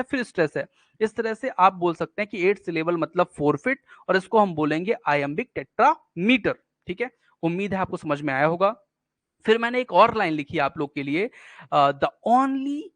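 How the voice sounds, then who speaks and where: A man with a high voice teaches poetic meter for an exam-prep class. He works through it step by step, putting questions to his students and answering them himself. The sound is close and dry, with no room echo. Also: fairly bright tone. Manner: reads poetry lines slowly, syllable by syllable. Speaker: English literature teacher.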